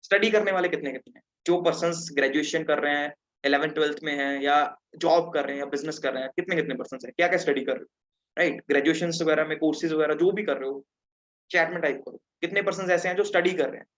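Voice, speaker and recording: Teen male presenter from Punjab, slightly high voice, chatty online teacher, muffled video call sound. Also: fast talker, a bit bright. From Punjab, India. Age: teens. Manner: chatty, checks in with listeners. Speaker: webinar presenter. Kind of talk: interactive online lesson.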